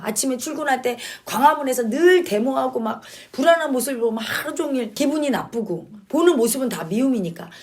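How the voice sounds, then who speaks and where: Woman pundit, highish voice, blunt and emphatic, keeps hammering the same words. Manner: emphatic, mixes blunt casual speech with polite endings; repeats key words for stress. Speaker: commentator answering questions. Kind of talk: opinionated commentary.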